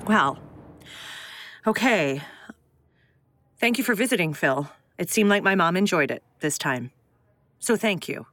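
A tense middle-aged daughter. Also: female voice, fairly low pitch, expressive, unhurried, pauses often. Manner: tense, embarrassed, sharp when cornered. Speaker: caring daughter. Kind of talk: audio drama acting.

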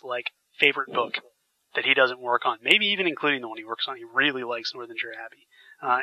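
A man's voice: medium pitch, pushed and bright, no echo, muffled recording. A man hosting a podcast, chatting enthusiastically with frequent fillers while getting over a sinus infection. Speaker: podcast host. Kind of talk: casual podcast chat.

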